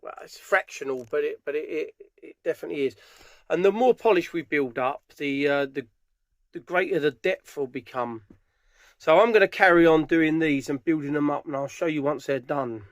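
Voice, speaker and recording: A British man with a slightly high voice talks through a practical job. He explains each step informally, in the unscripted way of a tradesman showing his work to a camera as he goes. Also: normal speed. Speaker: furniture polisher giving a how-to demonstration. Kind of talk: casual hands-on tutorial narration. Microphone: camera mic on a tripod, at varying distance.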